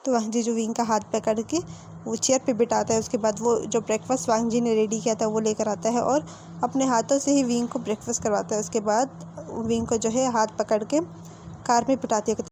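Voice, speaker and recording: A woman storyteller recaps a romance story in plain chatty narration. Her voice sits slightly high but sounds mellow. A faint hiss runs beneath it. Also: steady tone, fairly quick. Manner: conversational, repeating "so he says" between quotes. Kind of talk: retelling a fan fiction story.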